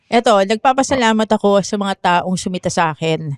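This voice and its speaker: A woman's voice: medium pitch, lively intonation, brisk, clear, resonant tone, dry recording, clean studio sound. A woman with a Filipino accent co-hosting a podcast in casual chat, laughing often and acting out quotes. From Philippines. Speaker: podcast co-host.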